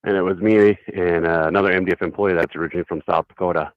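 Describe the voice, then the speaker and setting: Brief: male guest, low voice, relaxed, laughs easily, dry close sound. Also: rapid-fire, dry recording, dull audio. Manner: easygoing, laughs often. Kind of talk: casual chat.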